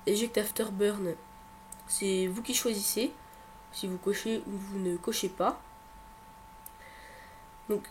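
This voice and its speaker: A man with a head cold walks viewers through a computer tutorial. He talks hesitantly, leaning on fillers and restarting his sentences. A faint hum sits under his voice. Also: high-pitched. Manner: hesitant, filler-heavy, repeats words. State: has a cold. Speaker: tutorial presenter. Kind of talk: screen-recording tech tutorial.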